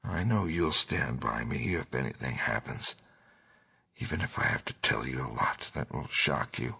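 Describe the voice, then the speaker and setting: Audiobook character: male reader as nervous, confiding man, low and creaky, halting delivery. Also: expressive, pushed and bright, heavily acted. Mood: uneasy confiding.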